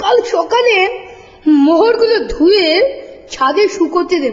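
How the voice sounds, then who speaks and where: A cartoonish character voice stretches out its words at a very slow pace in an extremely high pitch. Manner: pompous, gloating.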